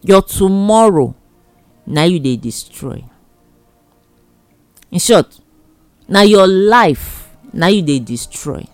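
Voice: medium pitch, expressive, slow, pauses often, dry recording, soft background music. A speaker with a Nigerian accent giving admonishing advice in Nigerian Pidgin, in an emphatic, repetitive, exhorting way.

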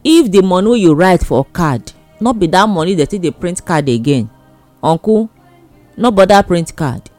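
Nigerian guy doing a casual advice talk, kinda high voice, repeats himself for emphasis, dry sound w faint music behind. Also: animated, moderate pace, a little mellow, dry recording. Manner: emphatic, repetitive, plain-spoken. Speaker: advice-giving host. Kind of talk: casual advice monologue in Pidgin.

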